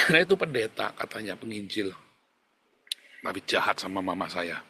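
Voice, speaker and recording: A male pastor preaching a sermon with emphatic delivery, often addressing listeners as brothers and sisters, swinging between loud outbursts and low, quiet lines. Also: big pitch swings, moderate pace, vocal fry, background noise.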